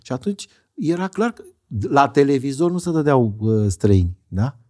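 A middle-aged man, a guest singer, chatting casually in an interview and telling stories with lively swings in his voice. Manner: animated storytelling, lively pitch swings.

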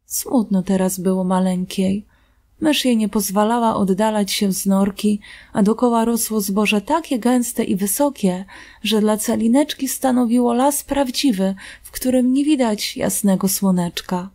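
A woman reading a fairy tale aloud in a calm, gentle narrating voice. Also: mid-range voice, measured pace. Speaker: storybook reader.

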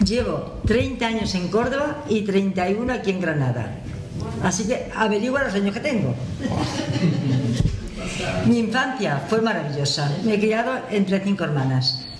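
A woman's voice: mid-range voice, lively intonation, moderate pace, a crowd in the background. An older woman from La Mancha with a Manchego Spanish accent, chatting as a guest and reminiscing in a casual, storytelling way at a table mic. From La Mancha, Spain. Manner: chatty, reminiscing, laughs at herself. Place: community hall with audience. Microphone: table mic on stand. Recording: roomy hall, audible noise.

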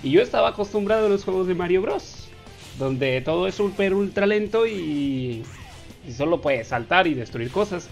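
A young Mexican man with a slightly high voice and a Mexican Spanish accent, chatting through viewer questions for his gaming channel. He reads each question in a raised, playful tone and answers loosely with fillers. Faint music plays under his voice. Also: animated, moderate pace, vocal fry. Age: 20s. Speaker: gaming YouTuber. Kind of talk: casual Q&A voice-over over gameplay.

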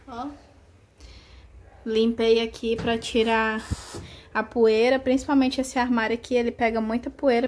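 Young woman, home vlogger, a bit high-pitched, tired and chatty, phone mic in a small kitchen, faint noise. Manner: chatty, homely, tired after cleaning. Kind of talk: casual chat to camera. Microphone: handheld phone close up.

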